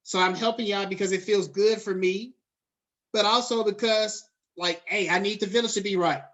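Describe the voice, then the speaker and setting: A man's voice: sits high, steady tone, normal speed, a bit bright. A middle-aged man giving a classroom lecture in a conversational way, slipping into casual slang. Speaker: college lecturer.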